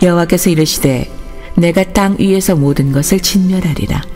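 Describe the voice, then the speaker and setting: A woman's fairly low voice with ordinary pitch variation, music playing in the background. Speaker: professional voice actor narrator.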